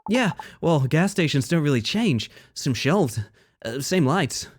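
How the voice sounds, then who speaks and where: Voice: mid-range voice, animated, unhurried, darkish tone, soft background music, natural voice. A streamer voicing a nervous young gas station cashier from a video game in an earnest, unsure anime-protagonist manner. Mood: earnest, polite. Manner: earnest anime-hero delivery, hesitant, unsure. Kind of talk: acted video game dialogue reading.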